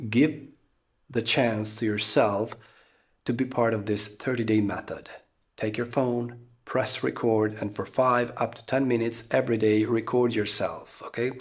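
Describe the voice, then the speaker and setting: A man with an Albanian accent and a low voice teaches English in a talking-head video, recorded close up in a small room. He speaks very slowly and haltingly, filling pauses with ums and uhs and tagging "okay?" onto his points. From Eastern Balkans. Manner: slow, halting, many ums and uhs, keeps asking "okay?". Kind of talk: talking-head lesson to camera. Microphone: camera close up at face level.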